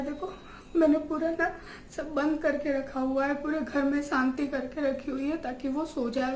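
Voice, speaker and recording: A woman's voice: high voice, roomy sound, slight background noise. A woman talking to her viewers in a casual home vlog, in an emotional, heartfelt way. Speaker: vlogger and mother.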